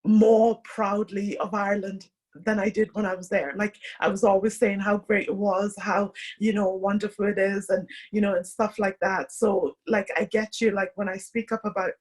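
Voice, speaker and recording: A woman's voice: medium pitch, flat delivery, moderate pace. A woman podcast host from Kenya, chatting casually and leaning on fillers like "like" and "you know". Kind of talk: casual conversation.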